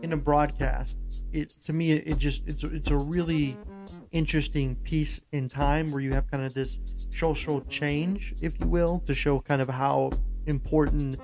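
A man's voice: fairly high pitch, fairly even intonation, a little slow, music in the background. A man with an American accent hosting a show, giving informal, rambling commentary with emphatic points. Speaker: podcast host. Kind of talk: casual commentary to listeners.

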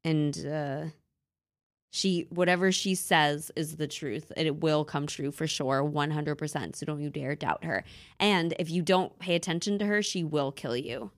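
A woman with a slightly low voice talks through old legends in a loose, chatty way. She stumbles, restarts and giggles as she goes, and fills her sentences with "like". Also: measured pace. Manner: chatty, many fillers, giggly. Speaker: podcast co-host. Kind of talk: casual chat about mythology.

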